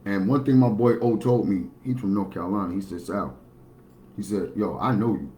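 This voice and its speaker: Low baritone guy, blunt rambling livestream talk, faint hiss behind. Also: moderate pace, warm tone. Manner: blunt, matter-of-fact, rambling with restarts. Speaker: livestream host. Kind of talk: casual livestream monologue.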